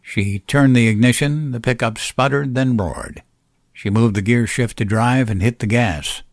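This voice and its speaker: A man's voice: medium pitch, measured pace, studio quality. A man reading a scripted work of fiction as narrator. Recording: roomy echo, faint music bed.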